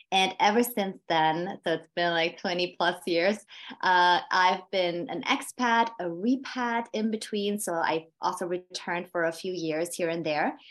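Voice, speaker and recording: Austrian woman telling her story, slightly low voice. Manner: warm, reflective storytelling with fillers. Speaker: podcast guest, coach. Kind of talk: podcast interview.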